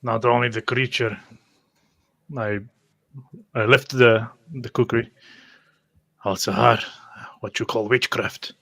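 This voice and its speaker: A man playing a tabletop roleplay game, describing his character's actions and speaking in character, halting and terse. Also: mid-range voice, fairly even intonation, gravelly, sharp tone.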